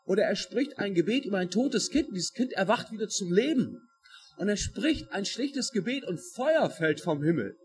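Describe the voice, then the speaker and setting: A man preaching a sermon, expressive and dramatic, acting out quoted voices with shifting loudness. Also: high voice, moderate pace.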